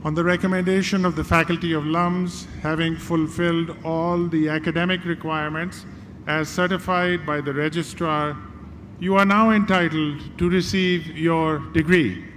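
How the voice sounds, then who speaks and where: A man speaks at a pulpit microphone in a measured, formal ceremonial tone. His voice sits a little higher than most men's. A long reverb trails each phrase through the large venue, over a faint background hiss. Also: fairly even intonation, a bit bright. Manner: measured, formal, reading out names and conferring degrees. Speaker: university vice chancellor.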